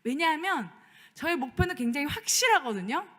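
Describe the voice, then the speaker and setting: A high-voiced woman pastor preaching with emotion, her pitch leaping and falling as she pushes her voice up and then drops to near-whispers. The sound carries a long reverb from a church sanctuary. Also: sing-song, brisk. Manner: emotional preaching, swinging from raised voice to hushed whisper. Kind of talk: sermon.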